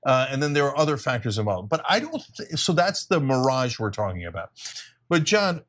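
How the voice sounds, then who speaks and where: A middle-aged man hosts live election coverage. He talks emphatically and keeps explaining things to the audience. His pitch rises and falls a lot, in an average register. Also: very animated, a little fast, fairly bright tone. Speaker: show host. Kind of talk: live election night commentary.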